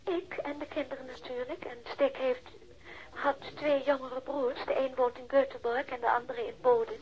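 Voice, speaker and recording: A woman acting as a recently widowed wife with a high voice, in a radio drama. She is subdued, polite and a little hesitant as she explains. The sound is dull and narrow. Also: fairly even intonation, normal speed, a little hiss or hum, close to an everyday voice. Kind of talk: radio play acting, dialogue. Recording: dull band-limited radio drama audio.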